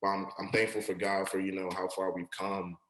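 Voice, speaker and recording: Young guy from long island, igbo is his first language, super casual podcast guest, lots of "like", low-ish voice, echoey room. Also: a little fast. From Long Island, New York. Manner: relaxed, slangy, many "like" fillers. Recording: roomy echo.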